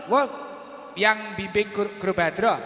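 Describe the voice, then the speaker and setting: A man, a preacher chatting with his audience and teasing them with quick questions on a handheld mic. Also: sits high, steady tone, sharp tone. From East Java, Indonesia. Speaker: preacher hosting a gathering. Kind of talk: casual chat with audience members. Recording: roomy hall reverb with faint noise.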